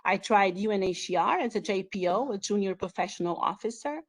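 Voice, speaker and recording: A woman's voice: medium pitch, lively intonation, a little fast. A woman from Portugal, speaking as a hiring manager in a webinar over a video call, with many fillers and restarts. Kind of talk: webinar presentation.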